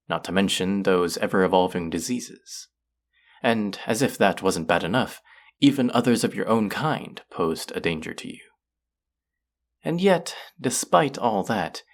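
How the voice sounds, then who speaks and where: An actor playing a haughty, mocking, cultured alien buyer in an audio roleplay, speaking to the listener in a deliberate, condescending, theatrical way. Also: medium pitch, gravelly.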